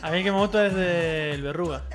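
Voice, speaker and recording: A man with an Argentine accent, joking and animated in a casual chat as a podcast co-host. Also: fairly high pitch, fairly quick, over music.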